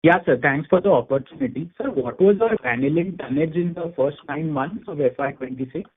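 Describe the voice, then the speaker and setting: A man's voice: on the high side, brisk, husky. A man calling in as an analyst to put questions on an earnings call. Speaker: analyst caller asking questions. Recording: narrow tinny phone line.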